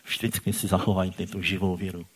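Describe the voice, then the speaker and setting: Husky-voiced man preaching conversationally. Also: sits low, level tone. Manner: conversational, asks the congregation questions, repeats phrases. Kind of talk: sermon.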